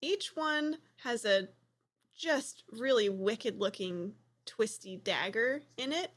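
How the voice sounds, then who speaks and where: A woman's voice: on the high side, expressive, takes it slowly. A woman playing a tabletop role-playing game, describing a monster with wry, hesitant humor. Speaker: player. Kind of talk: casual tabletop play.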